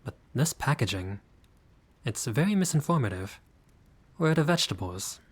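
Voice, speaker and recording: A man's voice: mid-range voice, very animated, moderate pace. A man playing a haughty but friendly vampire lord in a roleplay audio, speaking in a formal, fussy, politely pompous way. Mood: indignant, fussy. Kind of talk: scripted roleplay audio addressed to the listener.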